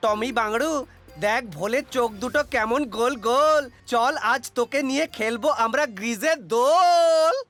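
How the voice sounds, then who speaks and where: A performer doing a high, cheeky cartoon boy. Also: normal speed, faint music behind. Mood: playful. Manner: sing-song rhyming patter, lively. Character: mischievous, chatty young boy. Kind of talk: cartoon dubbing.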